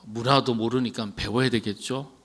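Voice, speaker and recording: A man's voice: mid-range voice, steady tone, moderate pace, fairly bright tone. Man, middle-aged pastor, midweek sermon, casual questions to the congregation, ends of phrases sometimes whispered. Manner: conversational, asks the congregation questions and answers himself. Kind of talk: sermon at a Wednesday prayer meeting.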